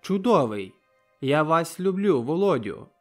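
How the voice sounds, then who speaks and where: A man's voice: a little high, sing-song, unhurried, soft background music, voice pushed up. A man voicing a flustered, impulsive young woman. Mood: playful. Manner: raised, breathless exclamations. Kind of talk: audiobook character reading.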